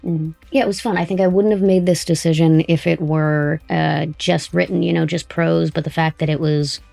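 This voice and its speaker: An interview host and audio drama writer with a creaky voice, talking conversationally. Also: mid-range voice, flat delivery, moderate pace, darkish tone, no room sound, soft background music.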